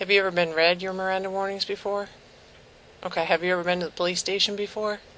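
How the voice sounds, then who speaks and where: Over noticeable background noise, a woman speaks very fast at a medium pitch in a monotone, flat delivery. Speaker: police detective. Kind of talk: police interview. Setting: police interview room.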